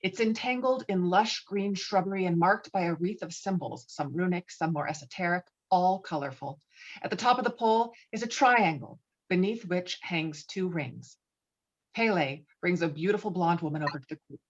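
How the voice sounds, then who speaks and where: A woman's voice: lowish voice, animated, normal speed. A woman reading stage directions as narrator of a screenplay table read, on slightly muffled online call audio.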